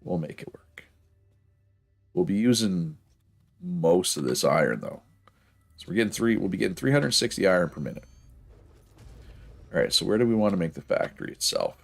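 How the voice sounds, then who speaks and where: A man with a very low, gravelly voice talks his way through a building game, thinking aloud and correcting himself. His nose is a bit stuffed up, and he chuckles now and then. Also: animated, moderate pace, pauses often. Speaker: streamer playing a factory-building game. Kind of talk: casual gameplay commentary.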